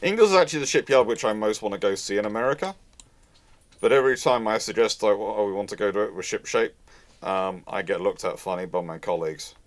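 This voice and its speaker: A man with a lowish voice talks fast while answering audience questions as host of a live question-and-answer chat. He rambles and keeps restating and rewording his points.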